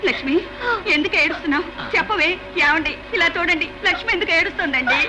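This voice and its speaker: A woman's voice: very high-pitched, quick pace, over music. An actress playing a worried middle-aged mother who coaxes her crying daughter and comforts her husband in a dubbed film. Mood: anxious. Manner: anxious, pleading, consoling. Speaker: mother and wife.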